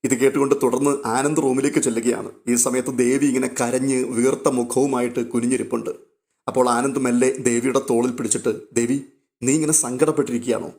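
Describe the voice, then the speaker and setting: Brisk male narrator. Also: mid-range voice, little pitch movement, gravelly, darkish tone. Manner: brisk, storytelling. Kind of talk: scripted narration.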